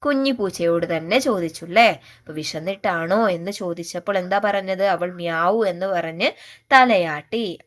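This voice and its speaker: Woman teacher for a children's lesson video, gentle, coaxing, full of questions. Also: fairly low pitch, normal speed. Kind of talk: primary school lesson for young children.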